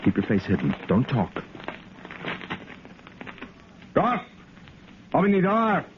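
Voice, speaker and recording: A man's voice: a little high, huge pitch swings, normal speed, background noise. A man playing a firm adult cavalry lieutenant who also narrates a 1950s radio drama. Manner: firm, commanding. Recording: tinny 1950s radio broadcast.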